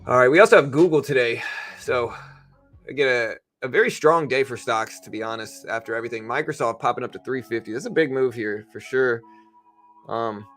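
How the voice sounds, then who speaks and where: A stock trader hosts a casual market livestream, chatting informally with viewers and thinking aloud, while music plays in the background. His medium-pitched voice is fairly bright and a little fast.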